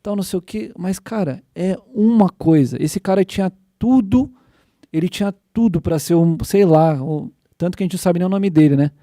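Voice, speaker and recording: A young man hosting a casual church podcast, excitedly retelling scripture in slangy everyday speech. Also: high-pitched, normal speed, no echo, studio quality. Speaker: podcast host.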